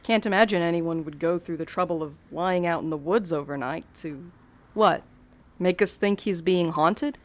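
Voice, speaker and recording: A woman's voice: on the low side, normal speed, lightly acted. A woman playing a level-headed, plain-spoken friend in a fiction podcast, conversational and understated. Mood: concerned, puzzled. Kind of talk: naturalistic fiction podcast acting.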